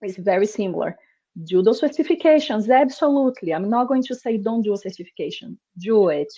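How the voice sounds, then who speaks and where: Her fairly high pitch, dark and mellow tone, and lively intonation carry a non-native accent as this woman talks at a fairly quick pace. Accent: noticeable non-native English. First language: not English. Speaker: data analyst and course instructor. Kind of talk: live show interview. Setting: live online video show.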